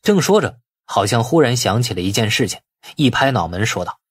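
A man's voice: mid-range voice, big pitch swings, a little fast, husky. A man narrating a novel as an audiobook in a scripted storytelling style.

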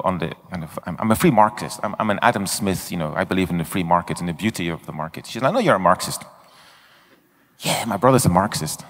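Middle-aged male conference speaker, blunt and self-mocking, low voice, big reverberant hall. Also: a bit bright. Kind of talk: conference talk and Q&A. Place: large conference stage. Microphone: handheld microphone.

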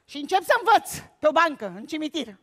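High-voiced woman telling a comic story. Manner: animated storytelling with shouted bits. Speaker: comic actress. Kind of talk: stand-up comic monologue. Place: stage at an awards gala.

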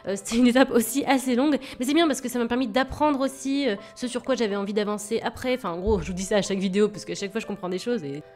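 A woman's voice: on the high side, racing, hardly any pauses, darkish tone. Stuffy-nosed woman chatting over a speedpaint. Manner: chatty and hesitant, many fillers and restarts. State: stuffy nose from a cold. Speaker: digital illustrator. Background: faint background music.

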